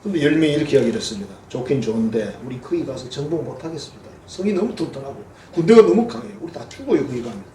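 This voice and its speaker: A man's voice: medium pitch, animated, very fast, hardly any pauses, warm tone, a little hiss or hum. A man with a Gyeongsang Korean accent, preaching a sermon as a pastor in a folksy, humorous way. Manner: folksy, humorous, acts out quoted voices. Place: church sanctuary. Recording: echoey church hall, mic at a distance.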